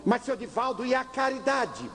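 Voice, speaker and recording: Pushy, pleading father played by an older man, raised pitch, lively, insistent; hall reverb, faint hiss. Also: fairly quick, exaggerated voice. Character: impatient pushy middle-aged father, man of 48.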